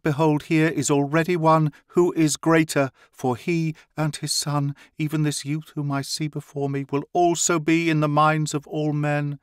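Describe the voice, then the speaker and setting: A man reading an audiobook, voicing an entranced female seer who speaks in a high, sighing voice with solemn, prophetic chanting. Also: no echo, studio quality, close to an everyday voice.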